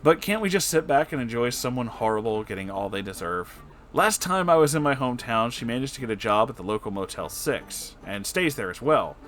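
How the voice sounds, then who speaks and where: A man reading a story aloud as an online narrator, expressive and casual, with dramatic delivery. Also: medium pitch, fairly quick. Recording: music behind the voice. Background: background music.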